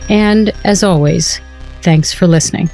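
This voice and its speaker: A woman's voice: lowish voice, a little slow, dark tone, faint music behind. A woman narrator reading scripted closing credits and announcements for an audio drama series.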